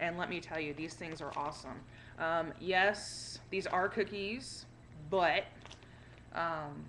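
This voice has a bright, sharp tone and fairly even intonation over light background noise. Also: woman. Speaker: home vlogger. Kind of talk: casual vlog chat. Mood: relaxed, friendly. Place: home room. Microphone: webcam.

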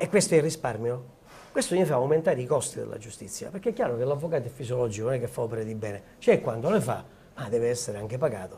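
A man speaks very fast, his dark, mellow tone somewhat breathy. His intonation is lively, and light background noise can be heard. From Sicily. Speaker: veteran lawyer. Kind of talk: casual interview. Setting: TV studio. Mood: critical, earnest. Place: office. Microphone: lapel.

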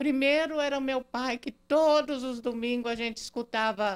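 A woman's high voice at a fairly slow pace, with ordinary pitch variation, against a quiet background. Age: 70s. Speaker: retiree, amateur radio host; amateur radio host. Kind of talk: interview. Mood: warm, nostalgic. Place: home room. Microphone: handheld.

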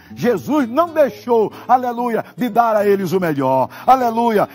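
Faint music plays behind a man with an extremely high pitch. He speaks fairly slowly, with ordinary pitch variation. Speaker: evangelist preacher. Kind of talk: sermon. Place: studio. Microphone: lapel.

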